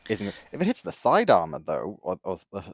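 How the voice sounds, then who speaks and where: A man with a slightly low voice talks through technical details in a casual, conversational way. The recording is dry and close, with very little room sound. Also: wildly swooping pitch, moderate pace, no echo.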